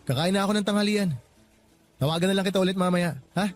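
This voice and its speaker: A man's voice: high-pitched, fast talker, lightly acted. A man playing a casual, caring young coworker in a radio drama, talking in a soothing, everyday way. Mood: apologetic. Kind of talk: Tagalog radio drama acting.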